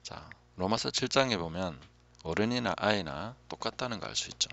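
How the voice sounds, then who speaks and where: Calm and reflective, a pastor with a low, gravelly voice teaches from the Bible at a fairly quick pace, often dropping to a hush. The recording is dull and lo-fi with no room sound.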